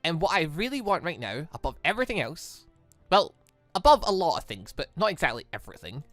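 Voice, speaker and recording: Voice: medium pitch, very animated, a little fast, a bit bright, dry recording, faint music behind. A gaming host voicing a flustered, haughty, short-tempered teenage heiress in an anime game, stammering and scolding. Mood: nervous, earnest.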